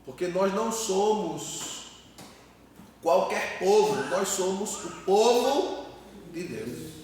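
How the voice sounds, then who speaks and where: A man's voice: high voice, lively intonation, slow, a little mellow. A man pastor preaching a sermon with emphatic repetition, calling the congregation brothers. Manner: emphatic, repeats words, addresses congregation as brothers. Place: church. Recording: echoey hall, mic far off, faint noise.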